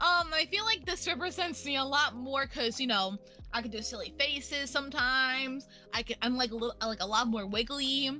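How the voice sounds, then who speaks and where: Over music in the background, a woman with a high pitch uses a raised, projected voice, lively intonation and a fairly quick pace. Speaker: VTuber, furry content creator. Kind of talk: interview. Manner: casual, hesitant with fillers; loud, chaotic.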